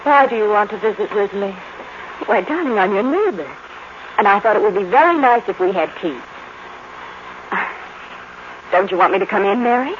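A woman's voice: medium pitch, lively intonation, brisk, lightly acted. An actress playing a solicitous, uneasy neighbor woman in a 1950s radio drama. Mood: coaxing. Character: friendly, uneasy neighbor woman visiting a troubled friend. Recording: muffled, noisy old radio recording.

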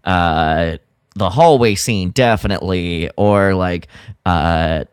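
A man with a fairly low, clean voice co-hosts a casual chat. He takes his time, wandering informally through his thoughts. The sound is dry, with no room on it. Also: slow, clean tone, no echo. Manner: rambling, informal, frequent filler "like". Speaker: podcast co-host. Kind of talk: casual chat giving opinions.

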